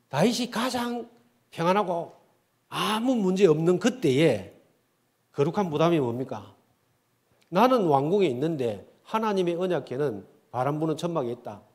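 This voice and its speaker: Against a quiet background, a man with a high pitch talks at a moderate pace, with very wide pitch swings, big swings in loudness and long, frequent pauses. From Gyeongsang Province, South Korea. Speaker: pastor. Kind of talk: sermon. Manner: speeding up. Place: church. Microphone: handheld.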